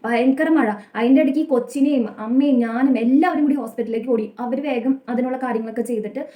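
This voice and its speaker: A woman's voice: sits high, steady tone, dark tone. A young woman with a Malayali accent telling a personal story to camera in an earnest, confessional way. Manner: earnest, rapid confessional telling with frequent tag "kettō". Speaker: vlogger. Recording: echoey room.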